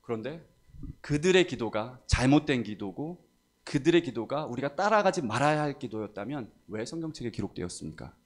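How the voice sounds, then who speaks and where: Middle-aged male pastor, dramatic sermon delivery with lively, swinging pitch and impassioned peaks. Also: a little fast. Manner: dramatic, climbing to loud impassioned pleading when voicing quoted prayers. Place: church.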